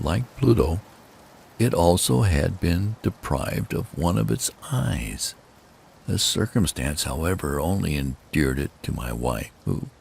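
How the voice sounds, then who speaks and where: Gravelly, low-voiced man narrating gothic horror. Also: a little mellow, a little hiss or hum. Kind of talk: dramatic scripted narration of a gothic horror story.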